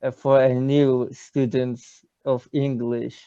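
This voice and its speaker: A man with a Turkish accent speaks slowly and haltingly on a video call, with a lot of uhs as he hunts for English words. His voice is mellow and smooth, and the sound is dry and a bit dull. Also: mid-range voice, level tone, no echo. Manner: hesitant, searching for words, many uhs. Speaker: English learner. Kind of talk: casual video-call lesson chat.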